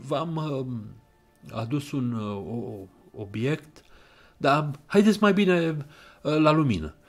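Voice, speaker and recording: A man's voice: on the low side, sing-song, voice pushed up. A man voicing a pale, nervous young man who stammers in an audiobook. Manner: stammering, voice cracking, then snapping.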